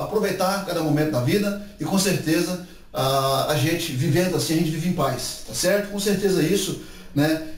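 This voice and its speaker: A man, chatting to camera in a casual vlog and tagging his sentences with little checks like "right?". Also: a little high. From Brazil. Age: 40s. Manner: chatty, animated gestures, many filler tags like "né" and "tá certo". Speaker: YouTube channel host. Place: indoor room before a painted wall. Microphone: camera mic from a few meters away. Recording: echoey room, far from the mic.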